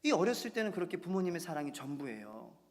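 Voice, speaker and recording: A man's voice: a little high, fast talker. A man in his thirties, a pastor, preaching a Sunday sermon and acting out little quotes. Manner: animated preaching with acted-out quotes. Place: church sanctuary. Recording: long church hall reverb.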